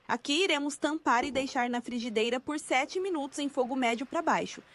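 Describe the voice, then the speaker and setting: A woman's voice: high voice, a little fast, fairly bright tone. A Brazilian woman reading a scripted cooking tutorial as a voice-over. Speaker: recipe video narrator.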